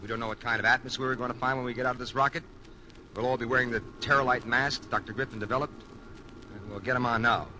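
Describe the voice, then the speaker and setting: Forceful, clipped rocket commander. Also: male voice, mid-range voice, steady tone, fast, poor audio. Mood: matter-of-fact. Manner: clipped, commanding, matter-of-fact. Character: brisk, level-headed male rocket ship commander. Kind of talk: old radio drama acting. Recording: old radio recording with faint noise.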